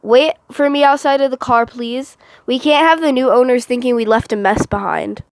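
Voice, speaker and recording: A woman's voice: high-pitched, moderate pace, no room sound, voice pushed up. A woman voicing a fussy, anxious mother in a novel reading, insistent and projecting as she instructs her son. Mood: brisk, insistent. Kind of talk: acted dialogue in a novel reading.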